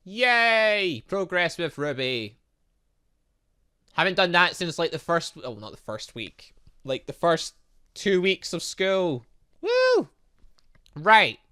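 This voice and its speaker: Slow and full of long pauses, this man's high voice swoops wildly in pitch with a sharp, clean tone. As a gaming channel host playing a visual novel, he offers casual, chatty commentary, reads pieces of game text, and murmurs asides while thinking aloud.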